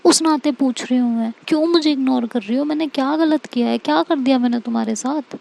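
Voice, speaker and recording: A woman's voice: sits high, brisk, vocal fry, darkish tone, a little hiss or hum, pitched above the performer's own voice. A woman voicing a hurt young woman who pleads and presses her friend with questions. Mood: pleading.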